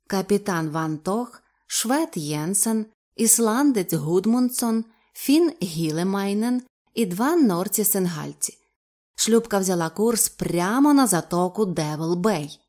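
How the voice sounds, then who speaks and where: A woman reads a classic novel aloud with steady, measured storytelling. Her voice sits at a middle pitch. Her pace stays calm and deliberate. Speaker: audiobook reader. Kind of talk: literary audiobook narration.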